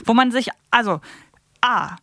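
A woman's voice: a little high, measured pace, fairly bright tone, dry recording, clean studio sound. A woman co-hosting a podcast in casual, humorous conversation. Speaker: podcast co-host.

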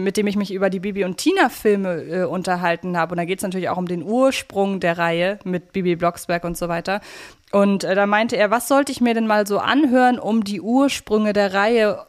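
A woman co-hosting a podcast, talking in a casual discussion style with a medium-pitched voice. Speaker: podcast co-host.

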